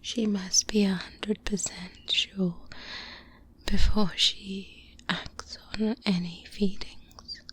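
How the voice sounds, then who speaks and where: A woman playing a seasoned, guarded vampire hunter mentor in an ASMR roleplay, speaking in a breathy whisper with measured, deliberate pauses, close to a binaural mic. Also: mid-range voice, flat delivery, fairly bright tone. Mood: confiding, careful. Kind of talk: soft-spoken ASMR roleplay monologue. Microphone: close-up binaural microphone.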